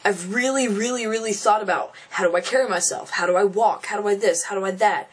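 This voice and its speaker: A young trans man talks fast in a high voice, venting to camera as a casual vlogger. Frustrated, he thinks aloud and keeps restarting and repeating phrases, and the audio is slightly rough.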